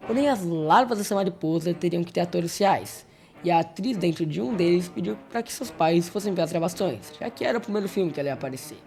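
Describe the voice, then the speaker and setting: A man's voice: sits high, warm tone. A man with a Brazilian accent narrates a story recap as a video host, in a casual scripted style with informal, wry asides. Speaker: YouTube host narrating horror series recaps.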